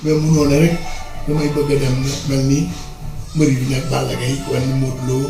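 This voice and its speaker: A man's voice: mid-range voice, little pitch movement, moderate pace, gravelly. An older man with a Senegalese accent, a retired colonel giving advice in a conversational interview, emphatic and repeating words for stress. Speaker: retired colonel and wrestling elder. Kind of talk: conversational interview, mixing two languages. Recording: roomy, distant mic with music behind.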